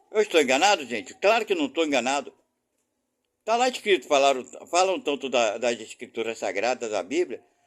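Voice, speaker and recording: A man with a Brazilian accent talks at a fairly quick pace. His voice is fairly high and swings very widely in pitch. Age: 60s. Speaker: spiritist study channel host. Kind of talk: religious study commentary. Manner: animated; halting.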